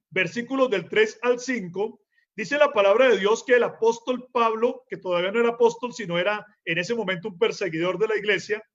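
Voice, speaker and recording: High-voiced emphatic male preacher. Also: a bit bright, lo-fi sound. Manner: emphatic, asks the listeners rhetorical questions. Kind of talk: Bible teaching sermon.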